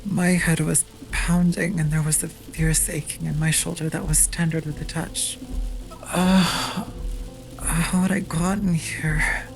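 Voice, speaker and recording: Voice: medium pitch, level tone, a little slow, creaky, rough recording. An actor playing a frightened teenage captive, narrating an audio drama in a somber, dramatic way. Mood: uneasy, dazed. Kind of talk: scripted first-person audio drama narration. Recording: music bed under the voice.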